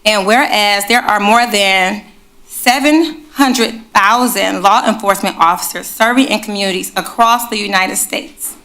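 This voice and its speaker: A woman's voice: mid-range voice, a little slow, rough recording. A woman chairing a city council meeting, talking to the room in a chatty way and reading a proclamation at a desk microphone in a council chamber. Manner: chatty, warm asides to the room. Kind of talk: presiding over a public meeting, reading a proclamation.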